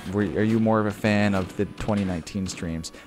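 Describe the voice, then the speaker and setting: The speaker talks with an American accent while music plays in the background. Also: man. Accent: Ohio accent, noticeable at times. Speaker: video game streamer. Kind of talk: casual live-stream commentary. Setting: home live stream, thunderstorm outside. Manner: casual, hesitant with fillers.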